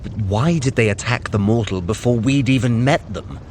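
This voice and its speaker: An actor playing a sly, haughty Norse trickster god in an audio fitness adventure, with lofty, theatrical, archaic phrasing. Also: male voice, mid-range voice, moderate pace, a little mellow, slight background noise, close to an everyday voice. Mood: intrigued, wry.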